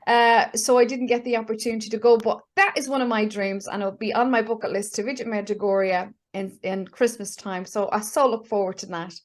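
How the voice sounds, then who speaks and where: A woman's voice: a little high, steady tone, fairly quick, hardly any pauses. A woman, hosting a casual online interview with enthusiasm, full of fillers and restarts. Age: 50s. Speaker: host. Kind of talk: casual video-call interview.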